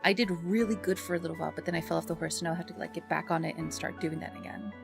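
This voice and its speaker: A woman livestreamer chatting casually with viewers in a bubbly, expressive and affectionate way. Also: fairly low pitch, rapid-fire, vocal fry. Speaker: live streamer and ASMR content creator. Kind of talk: casual livestream chat with viewers, greeting them and reading messages. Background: background music.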